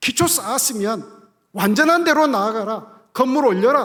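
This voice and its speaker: There is audible room echo as a man with an extremely high pitch speaks with lively intonation. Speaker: retired pastor, guest preacher. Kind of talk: sermon.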